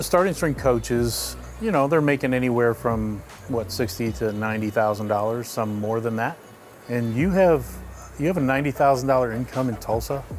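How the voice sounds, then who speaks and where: Here a man talks at a fairly quick pace, his pitch medium. He has an unremarkable speaking voice. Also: ordinary pitch variation. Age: 60s. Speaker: surgeon and gym owner. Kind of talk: interview testimony.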